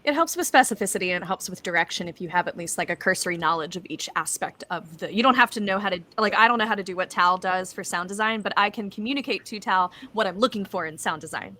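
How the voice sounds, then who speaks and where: A woman with a bright, forward voice at an average pitch. She speaks in a casual, conversational way as a member of an online panel. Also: fast talker, few pauses. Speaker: panelist, audio drama creator.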